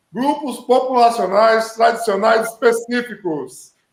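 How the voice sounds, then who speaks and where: A loud, animated tone with ordinary pitch variation. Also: man. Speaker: online course instructor. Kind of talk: online class. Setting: home studio, video stream.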